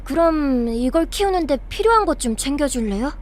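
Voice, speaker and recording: Naive, high-voiced, animated young survivor. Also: female voice, brisk, slight background noise. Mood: eager, hopeful. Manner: expressive, wide-eyed, hesitant exclamations. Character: naive, eager, sheltered young survivor, easily excited. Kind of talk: Korean audio drama acting.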